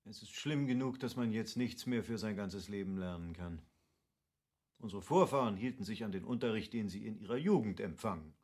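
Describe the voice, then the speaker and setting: An actor playing an opinionated, cultivated gentleman in a classic radio play, speaking with emphatic, rhetorical phrasing. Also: on the low side, brisk, husky. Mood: wry, reflective. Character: opinionated, lecturing cultivated gentleman of Goethe's era.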